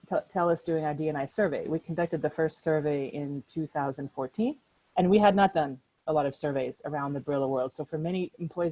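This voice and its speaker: Low-voiced American woman presenting from home. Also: mellow, rough recording. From United States. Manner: conversational, hesitant restarts with many fillers. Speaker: workshop speaker. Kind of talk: presentation over a video call. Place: apartment at home. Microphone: video call.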